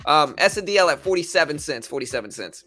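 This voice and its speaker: A man's voice: fairly high pitch, expressive, quick pace, sharp tone. A man in his thirties hosting a casual trading livestream, laid-back and rambling, full of slang. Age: 30s. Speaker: livestream host. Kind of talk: casual livestream chat about stocks.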